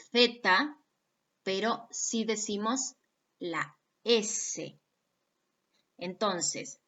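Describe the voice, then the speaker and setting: Slow, patient Argentine woman teaching. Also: mid-range voice, pushed and bright, highs cut off. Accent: Argentine Spanish. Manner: patient, demonstrates sounds aloud, addresses students directly. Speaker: phonetics teacher. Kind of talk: recorded video lecture.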